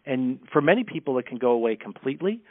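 A man's voice: medium pitch, sing-song, no echo. Man coaching on a tinny line. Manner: brisk, coaching, candid. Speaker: communication coach. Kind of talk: podcast interview. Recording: tinny phone-like line, dry.

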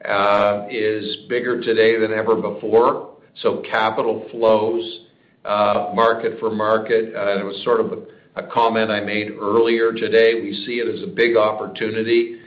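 Male senior executive, low-ish and monotone, measured answers over a muffled, echoey conference line. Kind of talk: answering analyst questions on a conference call.

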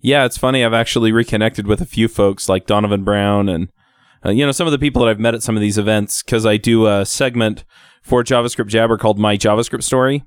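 A man's voice: lowish voice, fairly even intonation, fast talker, smooth, dry recording, studio quality. A man guesting on a podcast, friendly and enthusiastic as he talks about meeting people at events. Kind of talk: casual interview chat.

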